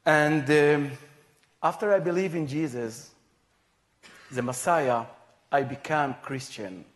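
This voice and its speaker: Man, personal testimony, measured delivery, fairly high voice, unhurried. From Israel. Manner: slow, measured, simple plain phrasing. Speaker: guest speaker.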